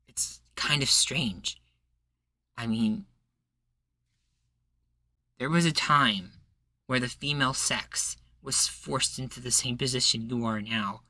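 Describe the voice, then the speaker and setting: A man's voice: mid-range voice, bright, forceful tone, no room sound. A man playing an earnest, persuasive rebel leader in a roleplay, making speeches with a folksy turn of phrase. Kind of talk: roleplay ASMR acting.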